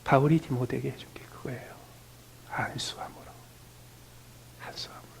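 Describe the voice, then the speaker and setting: This Korean pastor, in his fifties, preaches at a moderate pace with fairly even intonation and vocal fry. He hushes to near whispers for important phrases and acts out family conversations in a higher, louder voice, captured on a rough recording.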